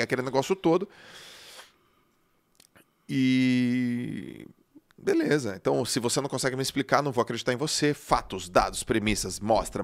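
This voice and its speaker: A podcast host tells a personal story with animation, swinging between loud and hushed and swearing casually now and then. His voice is mid-range with vocal fry.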